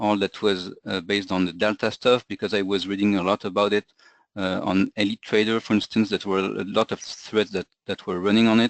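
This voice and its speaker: A man speaks at a moderate pace in a fairly low voice with a French accent, his intonation monotone and flat. The sound is dry and close with no echo, over a quiet background. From France. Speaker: trading software developer. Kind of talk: webinar presentation. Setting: online webinar. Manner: halting, many fillers and repetitions.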